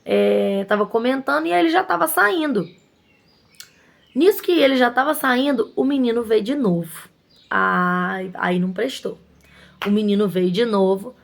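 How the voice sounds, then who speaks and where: A woman's voice: fairly high pitch, moderate pace, vocal fry. A woman, a shop owner casually telling viewers an indignant story, acting out what others said. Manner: indignant, animated retelling with quoted voices.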